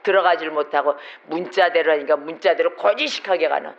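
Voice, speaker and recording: A pastor preaching a sermon with emphasis, throwing rhetorical questions at the congregation. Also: male voice, a little high, fairly quick, gravelly, fairly bright tone, highs cut off. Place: church sanctuary.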